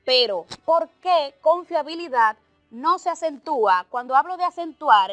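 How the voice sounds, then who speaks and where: Slow, patient woman teacher. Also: high-pitched, sharp tone, no room sound. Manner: slow, deliberate explaining with lists and examples. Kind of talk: televised remote class.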